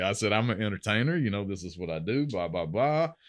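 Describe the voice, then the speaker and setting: On a very clean recording with a silent background, a man speaks with a Southern US accent and very wide pitch swings. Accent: Southern US accent, noticeable. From Georgia, US South. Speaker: blues musician and music instructor. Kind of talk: casual interview chat.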